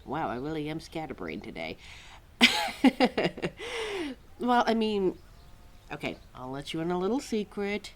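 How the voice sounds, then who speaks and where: A woman's voice: deep voice, wildly swooping pitch, unhurried, pauses often, heavily acted. A woman playing a scatterbrained, centuries-old keeper of forgotten lore in a roleplay audio drama, flustered and hesitant as she talks to a listener. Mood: sheepish, chatty.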